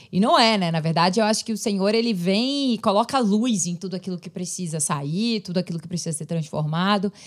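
Fairly quickly and with hardly any pauses, a woman with an ordinary speaking voice talks at a medium pitch, with ordinary pitch variation and big swings in loudness. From Brazil, Rio de Janeiro. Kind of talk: casual interview.

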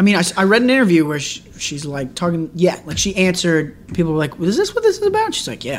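Very fast speech, hardly any pauses, lively intonation, and noticeable background noise. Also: man, high pitch for a man. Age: 20s. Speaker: podcast host. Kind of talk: casual chat. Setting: studio.

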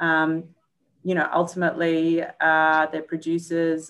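This woman's pitch is fairly low, and her intonation stays monotone and flat. She talks at a fairly slow pace. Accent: Australian. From Melbourne, Australia. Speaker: theatre executive director. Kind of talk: interview.

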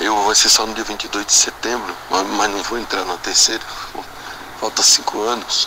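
A man's fairly low voice, monotone and flat, at a fairly slow pace amid noticeable background noise. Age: 50s. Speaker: listener sending voice message. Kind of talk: voice message.

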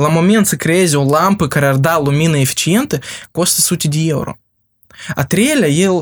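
A man with a normal speaking voice talks at a moderate pace with fairly even intonation. His pitch is fairly high, and the recording is very clean with a silent background. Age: 20s. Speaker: agritech entrepreneur. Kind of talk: interview.

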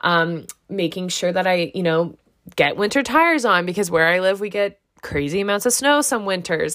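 A woman at medium pitch and moderate pace, with an unremarkable speaking voice. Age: 20s. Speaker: wellness podcast co-host. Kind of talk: solo monologue. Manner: casual with frequent fillers.

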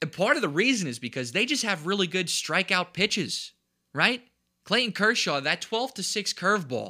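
In an American accent, a man projects a raised voice at a high pitch with a bright, sharp tone. His pitch swings very widely over a silent background in a very clean recording. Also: moderate pace. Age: 20s. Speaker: sports podcast host. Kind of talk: solo sports commentary podcast.

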